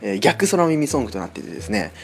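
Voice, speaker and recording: A man hosting a casual solo podcast, chatting with lots of fillers. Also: racing. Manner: chatty, many fillers, lively rising and falling pitch. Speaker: podcast host.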